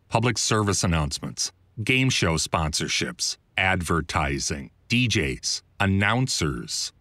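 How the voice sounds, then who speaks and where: A middle-aged American man narrates his own audiobook from a scripted first-person text in a close, dry, clean studio recording. His voice sits low and a bit bright, and his reading is wry, conversational and emphatic.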